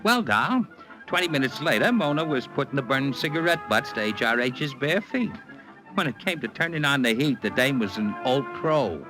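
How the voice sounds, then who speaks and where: An actor playing a nervous, fast-talking male Hollywood agent who narrates a 1950s radio drama, wheedling and excitable. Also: mid-range voice, music in the background, natural voice, rough recording. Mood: harried. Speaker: harried talent agent and narrator.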